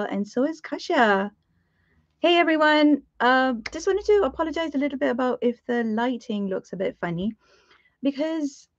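A woman's voice: sits high, no echo. A bubbly woman with a Pakistani English accent hosts a live craft class from her home studio, greeting viewers by name and laughing easily. Her webcam audio is close and dry, with a slightly muffled, dull edge. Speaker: art teacher hosting a live stream. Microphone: webcam at desk.

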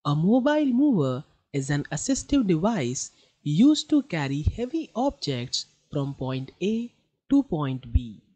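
Male narrator for e-learning module: animated intonation, somewhat husky, instructional and deliberate. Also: a little high. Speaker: voice-over artist.

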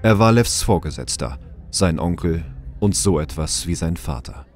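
A sober storyteller played by a man narrates a science fiction radio play. The voice sits low, and music plays along with the measured, scripted delivery. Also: expressive, background noise. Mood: matter-of-fact. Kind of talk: scripted audio drama narration.

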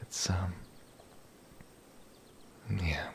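A man playing a lonely, gentle, shy young werewolf in a whispered ASMR roleplay, speaking breathily, softly and haltingly. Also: slight background noise. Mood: hesitant, wistful. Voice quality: breathy whisper, low and creaky. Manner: hesitant, halting, soft-spoken.

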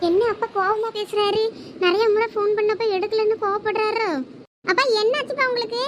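A woman's voice: very high-pitched, fairly even intonation, a little fast, music in the background. A young woman playing a frightened college student caught lying to her father, anxious and pleading. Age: young adult. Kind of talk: village comedy skit acting.

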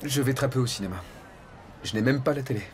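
A man's voice: medium pitch, fast talker, a little hiss or hum, close to an everyday voice. An actor dubbing a courteous former army man in his thirties, now a driving instructor, talking in a polite, earnest way. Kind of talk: French dub of a TV film.

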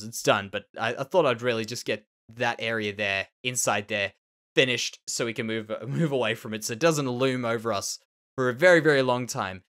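A man's voice: medium pitch, a bit bright. An Australian man with a nasal, slightly tender voice, musing and repeating words as he comments on his own Minecraft building. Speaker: Minecraft let's play host. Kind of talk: casual gameplay commentary.

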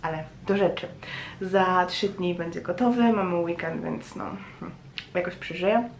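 Slow, hesitant woman in an echoey room. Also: fairly low pitch, vocal fry. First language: Polish. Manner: hesitant, pausing, reflective. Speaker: vlogger. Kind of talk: casual chatty personal vlog monologue. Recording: roomy echo, faint background noise.

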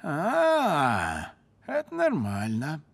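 A man voicing a befuddled, cranky old grandfather in a cartoon, muttering and stammering excitably. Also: a little high, very slow, creaky, background noise, heavily acted. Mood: mild confusion. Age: older. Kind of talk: animated cartoon acting.

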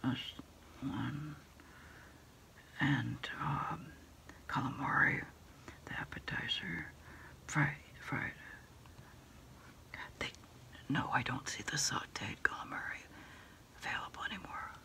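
A middle-aged woman whispers her way through an ASMR phone roleplay. Her delivery is very slow and halting, with a crisp, sibilant brightness to the hushed voice. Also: extremely low pitch, fairly even intonation. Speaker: ASMR roleplayer as takeout order taker. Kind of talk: ASMR roleplay, one side of a phone call. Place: small dim desk space indoors.

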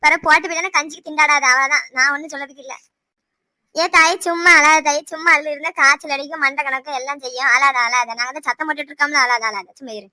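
Woman voicing a sharp-tongued village mother-in-law. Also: high-pitched, steady tone, no room sound. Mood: scolding. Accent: Tirunelveli Tamil. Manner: scolding, rapid, rustic. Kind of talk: cartoon voice acting.

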